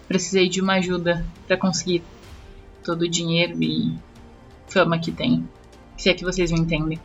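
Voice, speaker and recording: A woman's voice: on the low side, level tone, moderate pace, highs cut off, faint music behind, close to an everyday voice. A woman playing a casual, evasive celebrity in an audio drama game, in an offhand, hesitant way. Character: casual, evasive celebrity woman who sold her soul.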